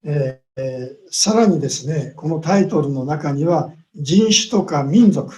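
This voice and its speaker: A man delivers a lecture over a video call, speaking in short, measured phrases. His voice sits a little high yet sounds dark and mellow. He pauses often with drawn-out fillers, leaving room for an interpreter. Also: lively intonation. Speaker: guest speaker.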